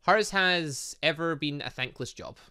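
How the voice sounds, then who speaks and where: Cast: a keen, scholarly female professor, bright and sharp-toned , voiced by a man reading a game. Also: on the high side, a little slow, clear, resonant tone. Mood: brisk. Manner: reading dialogue aloud in a light put-on voice. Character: female professor, brisk, scholarly, enthusiastic about science.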